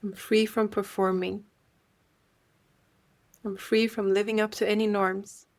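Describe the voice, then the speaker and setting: A woman leading a guided meditation in a gentle, unhurried way, leaving long pauses. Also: medium pitch, flat delivery.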